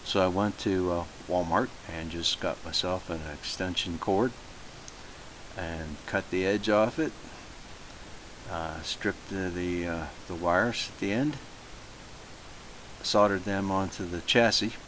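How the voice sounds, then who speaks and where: A man with a deep, low voice narrates a homemade how-to in an informal way. His delivery is halting, as he poses questions to himself and works through them aloud. A faint hiss runs under the home recording. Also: low-quality recording. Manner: halting, thinking aloud with self-posed questions. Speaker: hobbyist narrating own repair video. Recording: hissy home recording, steady noise.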